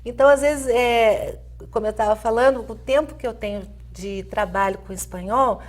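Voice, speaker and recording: A woman's voice: fairly high pitch, normal speed. A middle-aged Brazilian woman, a language teacher, explaining things in an interview with hesitant fillers and tag questions. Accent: Brazilian Portuguese. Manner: hesitant fillers, frequent "né?", light laughs. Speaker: Spanish language teacher, guest.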